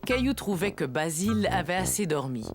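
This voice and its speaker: A woman's voice: on the low side, very animated, a little fast. A woman narrating a scripted children's story. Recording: music under the voice.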